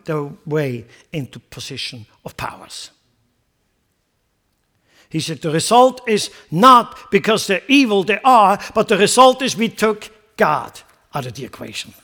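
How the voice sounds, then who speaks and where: A man's voice: high-pitched, fairly bright tone. A man preaching a sermon as a pastor, impassioned and repeating words as he builds emphasis.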